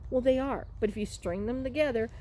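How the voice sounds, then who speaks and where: A woman's voice: on the high side, a little fast, dark tone, close to an everyday voice. A woman voicing an eager, curious storybook boy in a casual, earnest way. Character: eager, curious boy who loves games. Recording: clearly noisy room recording.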